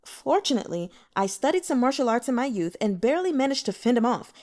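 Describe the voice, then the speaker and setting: A female reader plays a male broker in a storybook tale, always defending himself. His speech is formal and protesting, raised in pitch with lively swings. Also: fast. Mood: pleading defense. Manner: protesting, formal, stammers when flustered. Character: self-justifying male head broker, polite but indignant.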